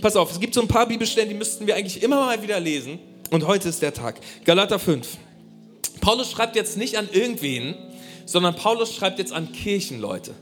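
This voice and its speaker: A man with a fairly high voice delivers a sermon to a congregation. He preaches animatedly and talks directly to his listeners, often asking them questions. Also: lively intonation, brisk, fairly bright tone, soft background music. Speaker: pastor.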